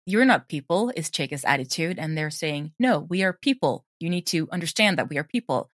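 A woman's voice: low voice, expressive, brisk, no room sound, clean studio sound. A woman talking casually and reflectively as the guest in an interview about her creative work. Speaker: interviewed audio drama creator.

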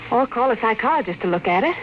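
A woman's voice: fairly high pitch, lively intonation, fast, a little hiss or hum, close to an everyday voice, low-quality recording. A woman playing an anxious, insistent American wife and mother in a 1950s radio drama. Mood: worried, insistent. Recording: old radio broadcast recording.

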